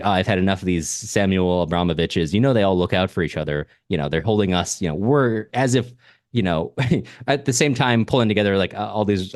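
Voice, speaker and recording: A man's voice: low-pitched, no echo, clean studio sound. A man co-hosting a podcast, talking through a book in a casual, discursive and analytical way, often rephrasing himself mid-thought. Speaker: podcast co-host discussing a novel.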